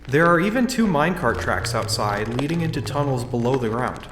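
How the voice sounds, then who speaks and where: A man playing an observant, wry visitor narrating his own tour in a fan audio drama, measured and dry. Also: medium pitch, expressive, noisy background, close to an everyday voice. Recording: roomy sound under music. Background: music.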